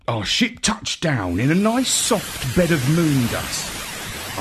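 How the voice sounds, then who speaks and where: A man reading a children's story in an expressive, deliberate, theatrical narrating style. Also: medium pitch. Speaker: story reader.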